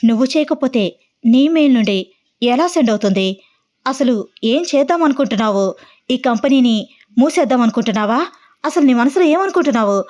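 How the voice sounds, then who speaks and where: A woman voicing a hot-tempered young man who runs a company, talking in a sharp, agitated way. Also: a little high, normal speed, dull audio, natural voice. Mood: angry.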